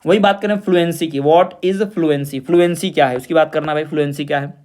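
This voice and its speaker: High-voiced man teaching a revision class. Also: a little mellow. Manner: explains in Hindi, reads definitions slowly in English; asks and answers his own questions. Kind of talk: exam revision lesson.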